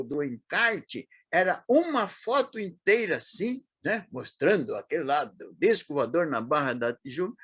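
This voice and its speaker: A man in his eighties with a São Paulo accent, reminiscing as an interview guest, talking haltingly with frequent restarts and fillers. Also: a little high, fairly bright tone, slightly rough, no room sound, clean studio sound. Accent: Paulistano Brazilian Portuguese. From São Paulo, Brazil. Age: 80s.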